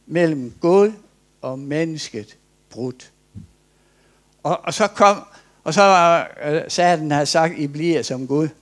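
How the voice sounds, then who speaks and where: Male preacher, slightly high, hesitant storyteller in a church sermon. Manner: storytelling, hesitant with frequent restarts.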